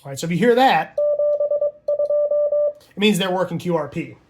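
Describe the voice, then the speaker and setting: Higher-pitched man giving an informal tutorial. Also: animated, normal speed, noisy background. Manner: casual, conversational asides. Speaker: amateur radio instructor and operator.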